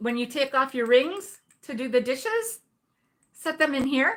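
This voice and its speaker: A woman's high, bright and sharp voice is raised and projected, with very wide pitch swings. The recording is very clean, with a silent background. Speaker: online vintage seller. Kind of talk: live sale stream. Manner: casual chatty; halting.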